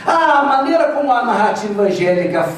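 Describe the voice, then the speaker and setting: A man giving a public spiritist lecture, retelling scenes with humor and lively storytelling. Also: very high-pitched, brisk. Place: spiritist center hall. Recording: very echoey hall, distant mic, faint noise.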